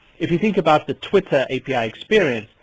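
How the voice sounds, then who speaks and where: A man talks very fast in a somewhat breathy voice with lively intonation. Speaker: company CTO presenting. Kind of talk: webinar presentation. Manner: quiet.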